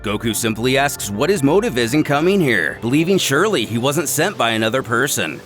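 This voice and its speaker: A man's voice: mid-range voice, very animated, brisk, a bit bright. A man delivering scripted, dramatic narration of a story. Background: music.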